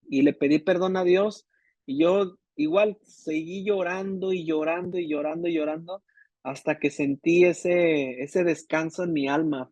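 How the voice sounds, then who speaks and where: A man telling his conversion testimony to a pastor in an emotional, halting way with many restarts. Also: a little high, a little mellow, dry recording, lo-fi sound. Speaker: church member giving testimony.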